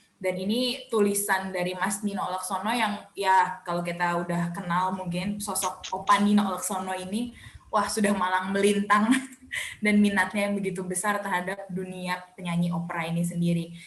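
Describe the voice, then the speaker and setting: Amid noticeable background noise and audible room echo, a woman speaks with monotone, flat intonation. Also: medium pitch for a woman, moderate pace. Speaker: book publisher presenter. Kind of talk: book presentation in live chat.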